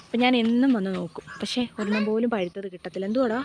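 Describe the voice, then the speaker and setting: In this casual vlog, a soft-spoken young woman from Kerala, India, wanders her home garden, musing aloud and confiding in the camera. Her mid-range voice races along, and a slight hiss or hum sits in the recording.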